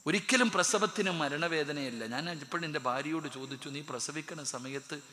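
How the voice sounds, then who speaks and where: A man preaching a fiery sermon, swinging between loud outbursts and hushed tones. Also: on the high side, moderate pace. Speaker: Islamic preacher.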